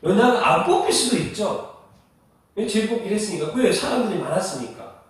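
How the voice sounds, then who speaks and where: A male pastor preaches in a church sanctuary. He fires rhetorical questions at his listeners and stresses his answers. His somewhat high voice reaches the mic from a distance, wrapped in heavy hall echo. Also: lively intonation, fairly quick. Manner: asks the congregation rhetorical questions, emphatic. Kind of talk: sermon. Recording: echoey hall, voice heard from a distance.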